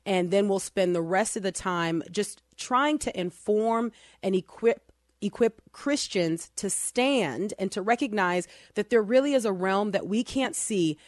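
A woman's voice: mid-range voice, measured pace, no room sound, clean studio sound. A woman in her forties hosting a Christian talk show, earnest and chatty, with frequent restarts and fillers. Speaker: podcast host.

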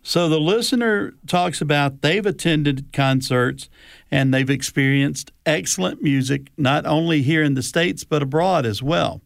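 A man's voice: medium pitch, gravelly, no room sound. Male radio host, friendly, reads listener questions, dry close mic. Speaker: radio talk show host.

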